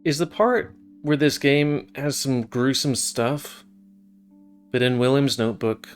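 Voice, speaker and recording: A man's voice: mid-range voice, a little slow, faint music behind. A man giving casual, rambling commentary over a video game, with chatty asides.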